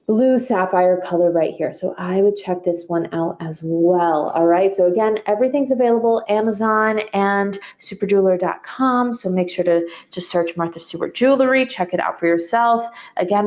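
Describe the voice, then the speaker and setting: A woman's voice: mid-range voice, darkish tone. Gushing young woman hosting a jewelry livestream. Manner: chatty and gushing, full of fillers. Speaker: shopping livestream host. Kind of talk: live-stream jewelry sales pitch.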